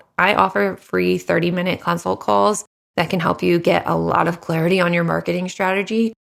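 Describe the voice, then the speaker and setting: A woman speaks at a fairly quick pace. Her loudness stays very even. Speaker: podcast host, marketing agency founder. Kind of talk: solo podcast tutorial. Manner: casual, conversational.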